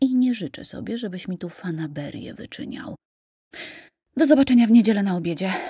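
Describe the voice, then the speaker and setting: A woman speaks fairly quickly at a medium pitch, her dark, mellow, somewhat breathy tone moving through very wide pitch swings and big swings in loudness. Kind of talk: audiobook reading of a novel, narration with quoted character dialogue. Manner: expressive, shifts tone for each character's dialogue; even, measured storytelling pace.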